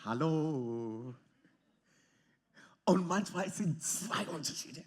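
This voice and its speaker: A man preaching a sermon in lively, slightly non-native German with English phrases mixed in. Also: a little high, very slow. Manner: animated, lively, often acts out quoted arguments. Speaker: pastor.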